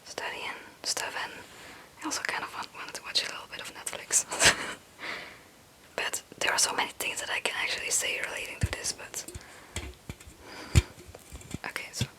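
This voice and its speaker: A young woman from Belgium, a non-native English speaker, whispering a casual, hesitant and meandering ASMR chat in a breathy voice. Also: moderate pace, pauses often, sharp tone, poor audio. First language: not English. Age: young adult. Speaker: ASMR video creator.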